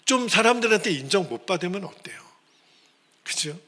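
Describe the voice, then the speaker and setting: Earnest pastor, bright voice. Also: male voice, high voice, sing-song, normal speed. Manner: earnest, pleading, acts out quoted voices. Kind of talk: sermon.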